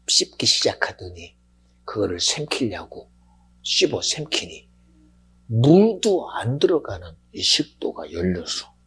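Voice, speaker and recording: A man preaching a fervent sermon, his voice very husky and gravelly. He moves from hushed whispers up to shouted peaks with wide, lively swings in pitch. His voice sits a little high for a man. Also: rough recording. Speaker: pastor.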